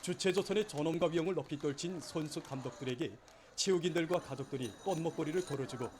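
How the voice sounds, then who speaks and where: A man's voice: on the high side, quick pace, background noise. A man with a North Korean accent narrating formal scripted news in a solemn, fervent, declamatory state-broadcast style. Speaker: news announcer.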